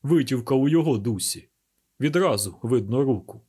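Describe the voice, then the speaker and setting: A man voicing a gruff, stubborn police inspector who grumbles and talks slowly and heavily. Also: medium pitch, expressive, dark tone. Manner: gruff, grumbling, slow and heavy.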